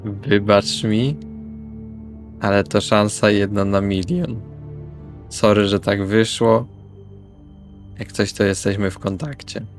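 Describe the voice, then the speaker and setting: A man's voice: lowish voice, fairly even intonation, slow, pauses often. Sweary man role-playing over music. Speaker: tabletop role-player. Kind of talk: improvised in-character play with narrated actions, sweary. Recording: music under the voice. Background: background music.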